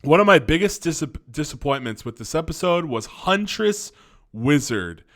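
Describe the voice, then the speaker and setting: A man's voice: a little high, sing-song, normal speed, fairly bright tone. A young man with a stuffy cold voice, casually reviewing cartoons on his channel with lots of restarts and fillers. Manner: rambling, many restarts and fillers.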